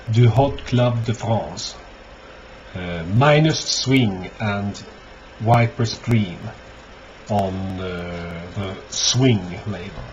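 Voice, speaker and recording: Hesitant man in a dull, noisy recording. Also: fairly low pitch. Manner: hesitant, halting, thinking aloud. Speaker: record collector presenting finds. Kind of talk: casual unscripted show-and-tell. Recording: dull lo-fi audio, clear background noise.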